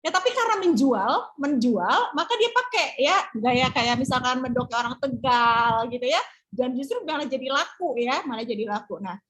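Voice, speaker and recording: High-voiced encouraging woman trainer. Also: a bit bright, poor audio. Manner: encouraging, peppers speech with "ya". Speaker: public speaking trainer. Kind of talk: online class Q&A answer.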